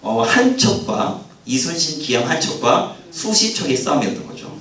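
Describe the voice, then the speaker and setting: Animated male lecturer in an echoey hall. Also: a little high, moderate pace, gravelly, a little hiss or hum. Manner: animated, asks audience questions, acts out quoted lines. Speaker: history lecturer. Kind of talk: lively public history lecture. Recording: roomy hall sound, mic at a distance.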